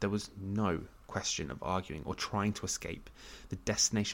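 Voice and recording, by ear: The voice is natural. Its owner reads a text aloud.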